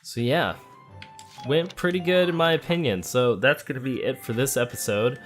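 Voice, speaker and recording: A man's voice: medium pitch, normal speed. A man hosting a let's play, thinking aloud in casual, conversational game commentary. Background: game music.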